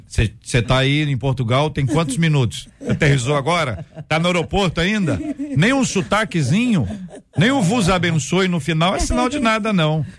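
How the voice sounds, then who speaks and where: A man's voice: on the high side, expressive. Teasing male radio host. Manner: teasing, quick banter. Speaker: radio talk show host. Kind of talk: relaxed joking studio chat, reading listener messages.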